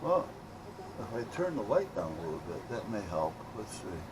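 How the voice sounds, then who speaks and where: A middle-aged or older electronics repair hobbyist films an unscripted video of his work, rambling casually and thinking aloud. His voice is fairly low and sing-song at a moderate pace, and the background is noisy.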